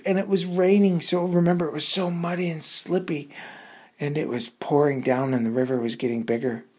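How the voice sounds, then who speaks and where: A woman's voice: low voice, steady tone, fairly quick, a little mellow, slightly rough. A woman telling a suspenseful bedtime story for children in a dramatic, improvised way, repeating words for effect.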